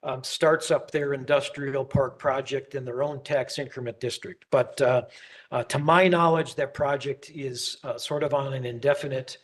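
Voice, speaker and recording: A man who is losing his voice gives a staff presentation at a public planning meeting, halting and full of ums and uhs. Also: mid-range voice, steady tone. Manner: halting, filler-heavy, with many ums and uhs.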